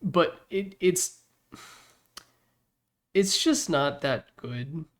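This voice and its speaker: Candid, slightly high-voiced man ranking things casually. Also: lively intonation, extremely slow, fairly bright tone. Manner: candid, sweary, blunt opinions. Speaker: host ranking game announcer packs. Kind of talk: casual rambling ranking commentary. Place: his room. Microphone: Yeti desktop microphone.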